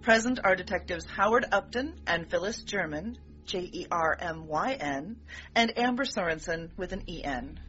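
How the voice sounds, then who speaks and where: A patient, reasonable female detective in a radio drama, speaking in a level, conciliatory way. Music sits clearly underneath, and the sound is a bit dull. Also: lowish voice, normal speed. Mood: measured. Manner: calm, conciliatory. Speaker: police detective.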